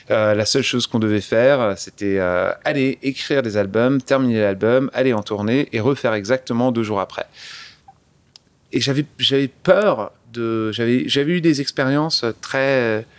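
A man's voice: medium pitch, no room sound. A man in his thirties with a light English-tinged accent, a guest in an interview, talking casually with many restarts and fillers. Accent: light English-tinged French. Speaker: guest singer-songwriter.

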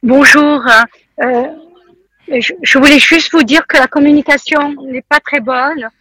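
A woman peace activist talking by phone from a funeral, halting and repeating words over a line that keeps breaking up. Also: sits high, fairly even intonation, bright, forceful tone, dry recording, rough recording. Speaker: peace activist, interview guest. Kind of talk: live phone interview. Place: at a funeral just after the ceremony.

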